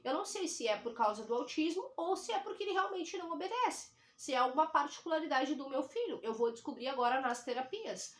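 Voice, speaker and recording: A woman's voice: sits high, expressive, fairly quick, hardly any pauses. A woman with a southern Brazilian accent, a single mother vlogging in a casual, frank chat full of fillers and restarts. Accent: southern Brazilian Portuguese. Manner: chatty, frank, uses many fillers.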